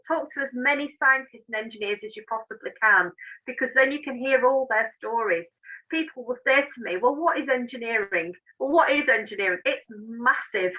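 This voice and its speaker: A woman's voice: medium pitch, muffled recording. A woman being interviewed as an engineer, explaining and giving advice in an emphatic, encouraging, informal way. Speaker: interview guest, engineer and managing director.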